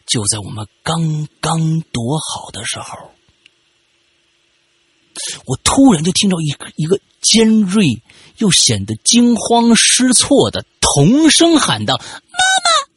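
A man hosting a podcast, telling a personal story casually, animated and stammering when excited. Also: on the high side, takes it slowly, husky, dry recording.

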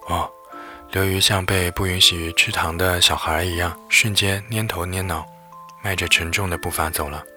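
A man narrating a lighthearted bedtime story in a gentle, lively way. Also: low voice, normal speed. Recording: faint background music.

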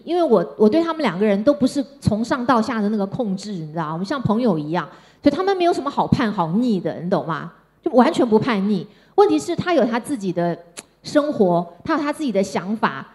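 Middle-aged woman on stage, soft chatty storytelling talk, gentle particles at the end of lines. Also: mid-range voice. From Taiwan. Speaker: speaker. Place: stage before an audience.

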